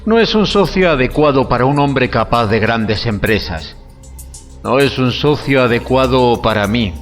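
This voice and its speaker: An actor playing a pompous, eccentric student with fanatical, scornful grandeur in an audio horror drama. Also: male voice, medium pitch, animated, moderate pace, natural voice. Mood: haughty scorn. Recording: long cavernous reverb, faint music.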